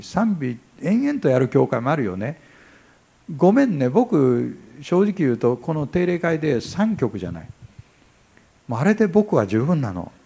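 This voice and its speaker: A man in his sixties preaching a sermon as pastor, chatty and humorous, acting out little dialogues and swinging from quiet asides to loud bursts. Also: medium pitch, vocal fry, slightly rough.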